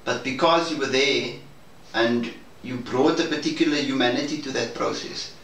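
Distant, echoey man, measured. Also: mid-range voice, fairly bright tone. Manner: measured, hesitant, formal and appreciative phrasing. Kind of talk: reflective debrief conversation. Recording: roomy, distant mic, faint noise.

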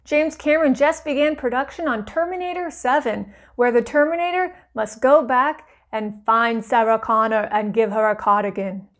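A woman in her thirties co-hosting as a parody news anchor, reading scripted joke headlines with deadpan, mock-serious delivery. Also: a little high, moderate pace, hardly any pauses.

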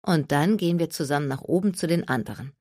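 A woman's voice: sits low, quick pace, darkish tone, slightly rough, no room sound, studio quality. A woman voicing a practical, firm woman who speaks in a matter-of-fact way.

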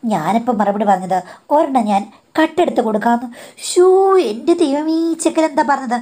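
A woman's voice: fairly high pitch, lively intonation, brisk, dark tone. A woman in her forties telling a first-person story in a chatty way, acting out the dialogue.

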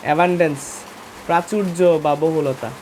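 A man's voice: a little high, steady tone, normal speed, darkish tone, slight background noise. A man with a Bangladeshi accent teaching English vocabulary in a casual spoken lesson, repeating each word and spelling it out letter by letter. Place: room under a tin roof with rain. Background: faint rain and room ambience.

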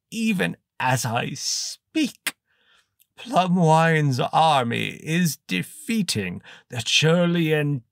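A man voicing a scrawny cloned homunculus creature with a squeaky, wheezing voice and slow, gloating menace. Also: fairly bright tone, no echo, clean studio sound, full character voice. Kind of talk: audiobook character voice.

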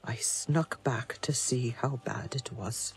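A woman playing a haunted, grieving survivor, hushed and sorrowful. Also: rumbling low, slow pace, in a whisper, heavily acted.

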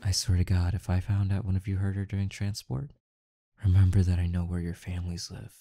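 A man playing a calm, intimidating, teasing mafia boss in an ASMR roleplay, with a menacing yet softly coaxing delivery and deliberate pauses. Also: deep voice, a little hiss or hum. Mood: cold, threatening.

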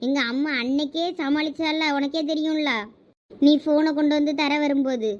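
A woman's voice: sits high, little pitch movement, normal speed, a little mellow, dull audio, close to an everyday voice. A woman with a Thoothukudi Tamil accent playing a young college girl who nervously scolds her friend. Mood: fretful. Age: young adult. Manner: scolding, worried. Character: anxious college girl scared of her father. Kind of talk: village comedy skit acting.

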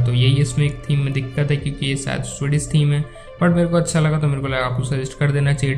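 A slightly hoarse young man giving a casual, rambling voice-over review of phone themes for his tech channel. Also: mid-range voice, darkish tone. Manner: rambling, filler-heavy casual talk. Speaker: tech YouTuber.

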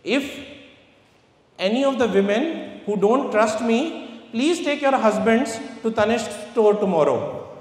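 A man's voice: very high-pitched, expressive, takes it slowly, darkish tone. A middle-aged man giving an emphatic motivational finance presentation in short repeated phrases and rhetorical questions. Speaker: investment speaker. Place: large auditorium stage. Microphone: handheld microphone through hall sound. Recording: echoey large hall, long reverb.

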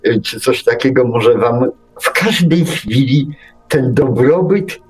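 A man's voice: medium pitch, lively intonation, slow pace, a little mellow, husky, rough recording. A man in a casual, opinionated radio discussion, chiming in with emphatic agreement. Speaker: radio talk co-speaker. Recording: music under the talk. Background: music.

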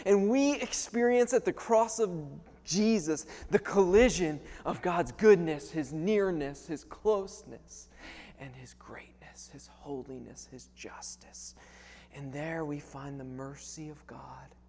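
A man's voice: fairly high pitch, takes it slowly, warm tone. A man in his thirties preaching a sermon earnestly, often restarting and repeating words as he goes. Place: large wooden-panelled church, indoors. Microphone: clip-on lapel microphone. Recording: long church hall reverb.

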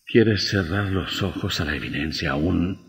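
An actor playing a grim, insistent vampire hunter who lectures sternly in an old radio drama. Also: male voice, deep voice, a little slow, husky, heavily acted. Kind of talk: vintage radio drama acting. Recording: muffled old radio recording with reverb.

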